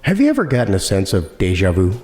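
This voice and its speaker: Low, animated male host in roomy echo. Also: quick pace, faint music behind. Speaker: podcast host. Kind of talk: scripted show introduction, conversational.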